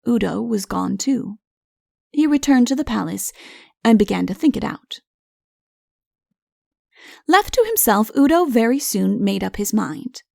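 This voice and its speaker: A woman's voice: a little high, very animated, unhurried, creaky, long pauses, a little mellow, no room sound, studio quality. A woman reading a comic fairy tale as an audiobook narrator, in scripted storytelling style.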